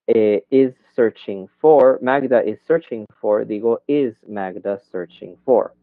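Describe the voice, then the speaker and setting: A man's voice: on the low side, no room sound. A man teaching an English class online, explaining grammar in Spanish and modeling English questions with exaggerated rising and falling intonation. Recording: thin phone-like audio, dry.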